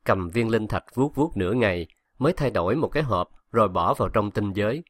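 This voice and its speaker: A man reads a fantasy novel aloud in a lowish voice, keeping his delivery steady and even. The sound is dry and close, with no room around it. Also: brisk, no room sound. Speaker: audiobook narrator. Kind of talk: scripted narration of a web novel.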